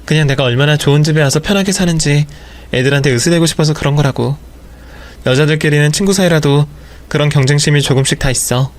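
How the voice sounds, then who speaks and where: A man's voice: a little high, fast, natural voice. A man playing a defensive young wife who stammers and pleads with her husband. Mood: pleading. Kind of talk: audio drama storytelling.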